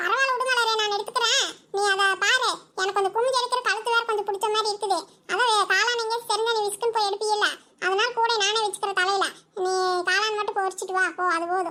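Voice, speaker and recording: A cartoonish character voice moves at a fairly quick pace with fairly even intonation. Its loudness stays very even. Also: woman, extremely high pitch for a woman. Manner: homely village speech.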